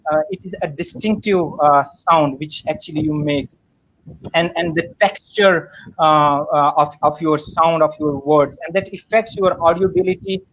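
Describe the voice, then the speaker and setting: A man's voice: fairly high pitch, normal speed, fairly bright tone, lo-fi sound. A man giving a spoken lesson on public speaking, hesitant and full of fillers and restarts. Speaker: guest speaker.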